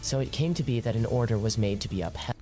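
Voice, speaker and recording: An actor playing a solemn fantasy game narrator, reading scripted lore in a formal manner. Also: male voice, mid-range voice, quick pace, warm tone, soft background music, natural voice.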